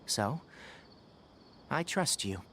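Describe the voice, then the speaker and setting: Composed young scholar, medium-pitched. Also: male voice, expressive, fairly bright tone, a little hiss or hum, full character voice. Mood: thoughtful, trusting. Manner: measured, articulate, thoughtful. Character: composed, articulate young male scholar, cautious and considerate. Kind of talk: video game character acting.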